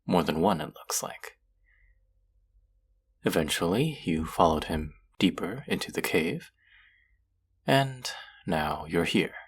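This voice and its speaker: An actor playing a stern, haughty god of the underworld in an audio roleplay, speaking formally with an exasperated, grudging manner. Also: male voice, sits low, lively intonation, slow pace, pauses often, husky, full character voice. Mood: measured, deducing. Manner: imperious, exasperated, formal speech with sighs. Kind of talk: scripted character audio roleplay.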